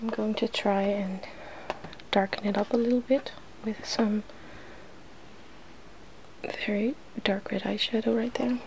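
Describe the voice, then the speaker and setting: Soft asmr lady, kinda creaky n mellow, drifts into whispers, bit of background noise. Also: medium pitch, fairly even intonation, a little slow, long pauses, rough recording. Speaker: ASMR video host. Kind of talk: soft-spoken ASMR makeup demonstration.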